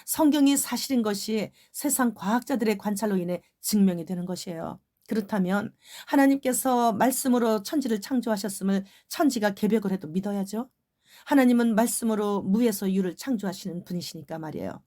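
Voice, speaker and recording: A woman's voice: medium pitch, brisk, dark tone. A middle-aged woman pastor giving a testimonial sermon in a conversational way, with rhetorical questions to the congregation.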